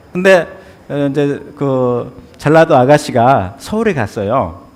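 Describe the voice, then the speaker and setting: Through noticeable background noise comes a man's voice, fairly high in pitch. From South Korea, Jeolla, Mokpo. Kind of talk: lecture. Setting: church hall with audience.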